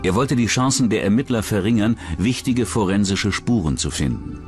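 A man's voice: lowish voice, lively intonation, normal speed, a little mellow, soft background music. A man narrating a true-crime documentary from a script.

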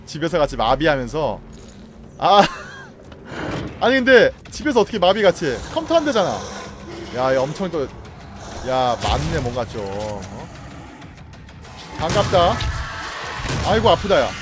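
A man's voice: on the high side, sing-song, measured pace, pauses often. A man streaming a video game, giving playful let's-play commentary and teasing and coaxing the enemies he fights. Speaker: gaming streamer. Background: game music and effects.

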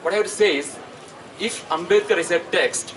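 A man in his twenties with a South Asian accent gives a protest speech as a student activist, halting and pausing often. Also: sits high. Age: 20s. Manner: halting, hesitant delivery with frequent pauses. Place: outdoors at night, open-sided tent gathering. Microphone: handheld microphone through PA, recorded by camera. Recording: distant outdoor PA sound, loud ambient noise.

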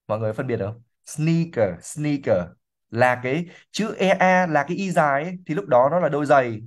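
A man explaining English words during a livestream reading lesson. He repeats words slowly and thinks aloud with fillers. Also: mid-range voice. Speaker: English teacher.

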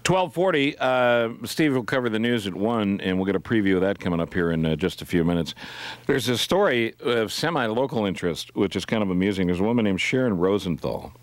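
Expressive and fairly quick, a middle-aged man with a lowish voice hosts talk radio, joking conversationally. He's close on a boom-mounted studio broadcast microphone, and the recording is dry, capturing casual live banter.

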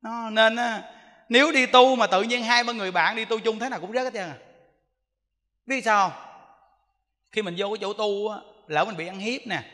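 A man, a Buddhist monk giving an animated sermon, repeating himself and speaking straight to his listeners. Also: sits high, normal speed, long pauses. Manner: animated, repetitive, addresses listeners directly. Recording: long reverb of a hall.

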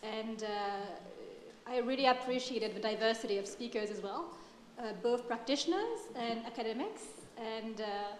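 A woman's voice: fairly high pitch, lively intonation, a little slow. A young woman from Mauritius, a student, giving a hesitant testimony with many fillers, in a large hall. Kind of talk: audience testimony. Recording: echoey hall, faint room noise.

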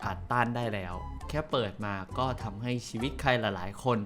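A man hosting a reaction video, gushing in casual excited commentary with squealing exclamations and frequent laughter. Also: mid-range voice, a little fast, music in the background. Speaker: video host reacting to a music video. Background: song playing from the video being reacted to.

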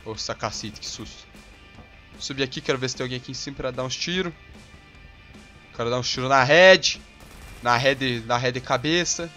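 A young Brazilian man with a Brazilian accent giving hot-tempered gameplay commentary, swearing and bursting into yells. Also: mid-range voice, moderate pace, pauses often, soft background music. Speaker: gaming channel host.

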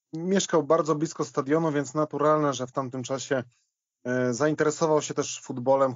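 A man with a somewhat high voice discusses sport off the cuff. He is hesitant, with many fillers. The sound is dry and a little muffled. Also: no echo. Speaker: podcast panellist.

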